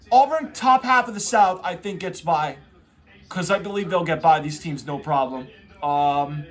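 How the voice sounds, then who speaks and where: A man talking like an excitable frat bro, hosting a casual, off-the-cuff sports reaction full of slangy asides. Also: sits high. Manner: excitable frat-bro talk, heavy on "bro" and "dude". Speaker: host reacting to a tournament bracket.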